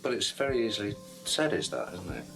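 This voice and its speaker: A man, a police detective, questioning a suspect in a measured, procedural way, heard on an old interrogation tape recording. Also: on the low side, very animated, gravelly. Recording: archive interview tape with music over it.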